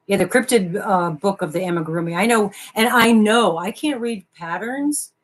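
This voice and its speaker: A chatty woman hosts a casual craft livestream with plenty of energy, hopping from one thought to the next. Her voice sits at an everyday middle pitch for a woman, neither high nor low. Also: moderate pace. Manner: hyper, chatty, jumps between topics. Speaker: livestream co-host.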